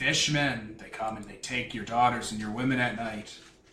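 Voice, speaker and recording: A man speaks at a moderate pace in a put-on character voice of medium pitch. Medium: actual play. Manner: muttering, ominous.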